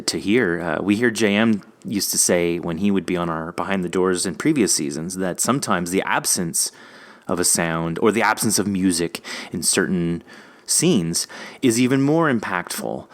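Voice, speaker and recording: A man with a fairly low voice hosts a casual podcast discussion. He talks earnestly, working out his thoughts as he goes. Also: fairly bright tone. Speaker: podcast host. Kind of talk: casual discussion of an audio drama episode.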